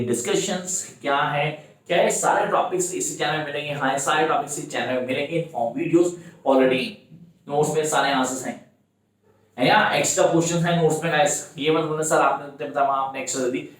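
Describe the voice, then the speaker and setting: A male tutor with an Indian English accent giving a brisk exam-prep lecture, talking straight to his students and answering his own questions. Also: mid-range voice. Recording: very echoey room, voice far from mic.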